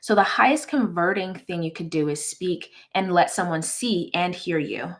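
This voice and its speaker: Earnest woman guest, lower voice. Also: lively intonation, moderate pace. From Uganda, raised in the United States. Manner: earnest, reflective, conversational. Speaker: wealth coach and guest. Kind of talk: guest in an interview.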